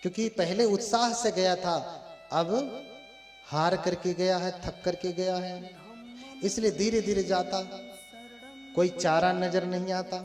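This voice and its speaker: A man's voice: high voice, a little slow, pauses often. A Buddhist monk telling a story as a sermon. He keeps asking his audience questions. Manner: animated storyteller who addresses the audience with questions. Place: large hall with a live audience. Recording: echoey hall with faint music.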